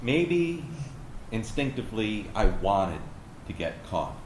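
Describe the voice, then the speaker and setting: A man's voice: on the low side, very animated, takes it slowly, a little mellow. A man performing a wounded, resigned gay serviceman's reflective monologue in a staged reading, in an echoey room. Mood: rueful. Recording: echoey room, faint background noise.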